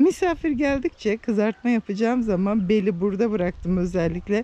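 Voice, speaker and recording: The delivery is fairly slow, and the sound is dry with no echo. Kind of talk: casual vlog chat. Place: garden. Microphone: phone near.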